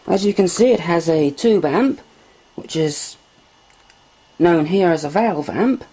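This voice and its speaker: Low, mellow-voiced woman demoing gear. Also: slow pace, poor audio. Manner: calm step-by-step explaining while handling equipment. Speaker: hobbyist vlogger. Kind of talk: casual demonstration narration. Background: faint machine hum.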